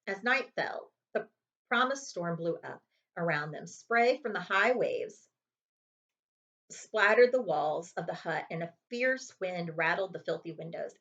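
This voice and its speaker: A woman reading a children's chapter book aloud as an expressive storyteller, like a librarian at story time. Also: lowish voice, highs cut off. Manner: expressive storytelling with character voices.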